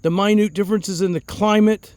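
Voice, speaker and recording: Man hosting a casual outdoor vlog: rambling, chuckling, higher voice, dry close sound. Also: steady tone, a little fast, a little mellow, clean tone, no room sound. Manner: chuckling, rambling, repeats words. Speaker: fig grower and channel host.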